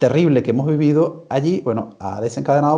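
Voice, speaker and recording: Talking at a very fast pace with a Venezuelan accent, a man uses a fairly high pitch, ordinary pitch variation, and a dark, mellow tone. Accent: Venezuelan, retained. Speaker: journalist. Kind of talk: interview.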